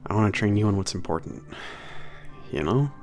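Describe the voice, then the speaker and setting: A man playing a big, burly, soft-hearted werewolf maintenance trainer in an ASMR roleplay, talking to the listener in a halting, casual, sweary and earnest way. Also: on the low side, lively intonation, soft background music, natural voice. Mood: apologetic, encouraging. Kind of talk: ASMR roleplay audio drama, spoken to the listener.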